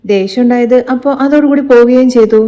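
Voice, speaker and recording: Woman doing a teasing young wife, quick, mellow voice, scolding manner. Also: fairly high pitch, natural voice.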